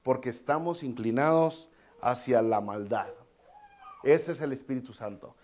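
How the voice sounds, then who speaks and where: A man's voice: medium pitch, a little slow, a little mellow. A male pastor, preaching a sermon in a conversational way, with casual asides and repeated phrases.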